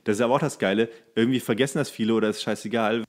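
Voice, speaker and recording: A man's voice: lowish voice, steady tone, rapid-fire. A rambling man telling neighborhood stories. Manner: rambling, anecdotal storyteller. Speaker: podcast co-host. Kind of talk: casual chat.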